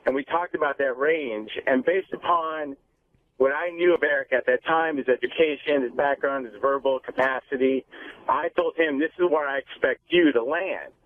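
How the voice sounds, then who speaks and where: A man's voice: mid-range voice, normal speed. A man calling in to a radio show over the phone as a guest doctor, explaining things off the cuff. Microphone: phone line. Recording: thin, phone-like call audio.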